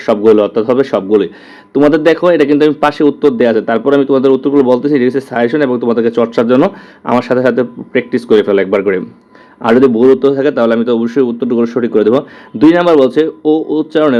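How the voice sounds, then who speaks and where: A man's voice: medium pitch, darkish tone. A man with a Bangladeshi Bengali accent teaching an exam-prep lesson, repeating answers and correcting himself aloud. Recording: dull lo-fi audio.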